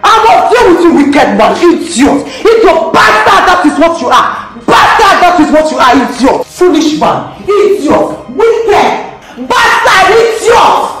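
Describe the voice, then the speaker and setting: A furious woman hurls shrill curses, her voice swooping high and low, as an actress plays her. She shouts and cackles in a very echoey space. A loud crowd roars behind her. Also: big pitch swings, measured pace, over loud music, heavily acted. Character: vengeful furious woman cursing a man. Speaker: bitter cursing woman.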